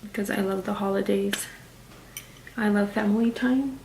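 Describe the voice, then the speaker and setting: A woman with a Spanish accent talks through her makeup in a loose, chatty way, leaning on "like" and "you know". She sits away from the camera mic, so her voice sounds distant in the room. A clear air-conditioning hum runs under her the whole time. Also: medium pitch, fairly even intonation, normal speed, darkish tone. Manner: chatty, filler-heavy, many "like"s and "you know"s. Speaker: beauty vlogger. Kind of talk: casual get-ready-with-me chat.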